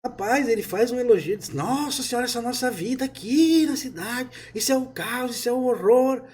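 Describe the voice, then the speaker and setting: A man's voice: very high-pitched, expressive, a little fast, a little mellow, slightly rough. Emphatic man with a southern Brazilian accent. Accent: southern Brazilian (gaúcho). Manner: rambling, emphatic, many restarts and laughs. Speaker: author and interviewee. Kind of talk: casual conversation.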